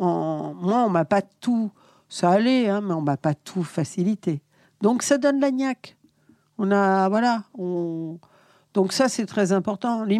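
Against a quiet background, a woman with a dark, mellow tone speaks at medium pitch and a very slow pace, leaving long, frequent pauses, in a dry, close sound with no echo. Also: lively intonation. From immigrated to France at age 6. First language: other than French (speaking French). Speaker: advertising executive. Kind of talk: mentoring interview. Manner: hesitant.

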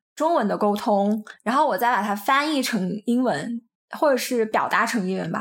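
The voice is a normal speaking voice. Pitch moves up and down in an ordinary way. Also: woman. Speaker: UX content writer. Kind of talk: interview conversation.

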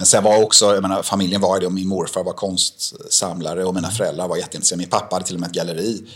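In a slight west coast Swedish accent, a man talks very fast with a very deep, low pitch and a monotone, flat intonation. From Gothenburg, Sweden. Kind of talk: interview. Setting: his office.

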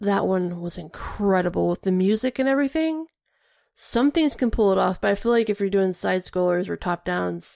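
The recording is very clean with a silent background and has a dry, close sound with no echo. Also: woman. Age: 30s. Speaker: gaming podcast guest, graphic artist. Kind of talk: casual chat.

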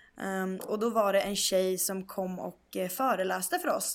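In a normal speaking voice, a woman speaks at a medium pitch with fairly even intonation. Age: 20s. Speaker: college football player. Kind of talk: casual chat.

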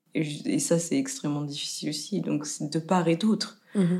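The voice shows vocal fry and ordinary pitch variation. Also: woman. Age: 20s. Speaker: social worker. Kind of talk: interview. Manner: hesitant, many fillers.

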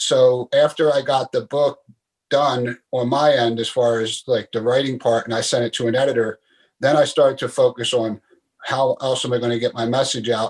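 Speaking at a moderate pace with an American accent, a man uses a medium pitch and a monotone, flat intonation. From Philadelphia, Pennsylvania, US. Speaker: author and podcaster. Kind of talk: interview.

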